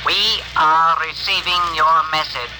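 Stiff, formal alien envoy, high-pitched, played by a man; 1950s radio play, hissy broadcast. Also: steady tone, measured pace, natural voice. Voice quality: stiff, formal, literal phrasing. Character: formal alien ship translator, male. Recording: noisy old radio broadcast.

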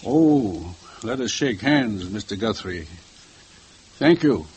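A man's voice: on the low side, animated, takes it slowly, a little mellow, highs cut off. An actor playing a fussy, polite elderly male jeweler in a 1950s radio drama, flustered and eager to please. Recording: old radio recording with faint hiss.

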